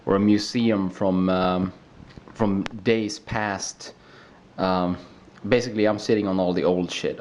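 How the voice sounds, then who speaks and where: A man's voice: lowish voice, a little mellow. A young man from Sweden with a Swedish accent, talking in a casual unscripted home video and stopping often with ums and restarts. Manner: hesitant, many ums and restarts. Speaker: video creator. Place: home room.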